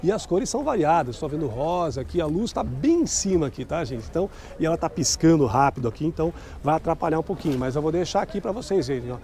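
Fast-talking and animated, with a mellow voice on the high side and few pauses, this middle-aged man from Brazil vlogs a night market. He promotes clothes and their prices, checking with vendors again and again in an upbeat walkthrough.

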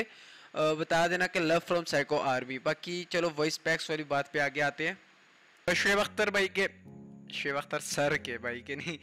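A man's voice: on the high side, sharp tone. A man giving casual gameplay commentary in a voice-over. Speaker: gaming video creator. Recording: music bed under voice. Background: background music.

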